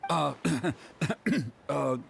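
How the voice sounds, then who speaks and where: A man's voice: fairly high pitch, animated, drawn-out words, gravelly, slightly rough, exaggerated voice. An actor playing a proud, stern tribal elder and protective father in a video game, with formal speech. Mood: flustered, apologetic. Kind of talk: dramatic game voice acting. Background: background music.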